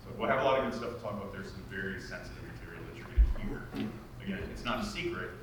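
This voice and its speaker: Low-voiced man in a very echoey room. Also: very fast. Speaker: board meeting speaker. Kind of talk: informal meeting briefing. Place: large echoey meeting room. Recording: very echoey room, distant mic, noisy.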